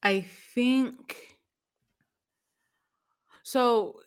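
A woman's voice: on the high side, drawn-out words, clear, resonant tone. A woman, chatting casually as a podcast guest, laughing often and trailing off mid-sentence. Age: 30s. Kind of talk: casual chat.

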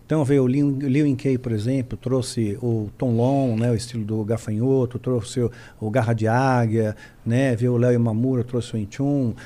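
A man's voice: medium pitch, normal speed, hardly any pauses. A man with a Brazilian accent telling a story in casual chat, acting out voices as he goes. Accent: Brazilian Portuguese. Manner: animated, acts out quotes. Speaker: podcast guest.

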